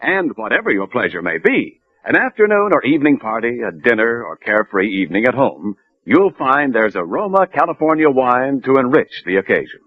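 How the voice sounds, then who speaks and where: Lively 1940s radio pitchman. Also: brisk, hardly any pauses, no room sound. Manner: smooth, persuasive pitchman delivery. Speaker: announcer. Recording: dull, dry old radio broadcast.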